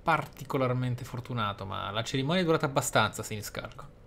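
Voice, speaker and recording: A man hosting a roleplay let's play, speaking in deliberate, formally worded, articulate commentary. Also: mid-range voice, animated, vocal fry, fairly bright tone, a little hiss or hum. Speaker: gamer, let's play host. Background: video game ambience.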